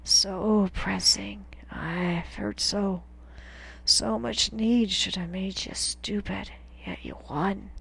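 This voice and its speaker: A woman voicing a dying, gruff old male weapons teacher, speaking in a slow, halting whisper. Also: medium pitch, fairly even intonation, a bit bright, full character voice, poor audio.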